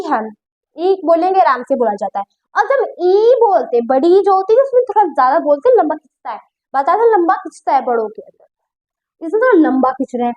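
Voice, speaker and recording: A woman's voice: high-pitched, lo-fi sound. A woman teaching a grammar lesson, who explains patiently, repeats her points and checks whether the class understood.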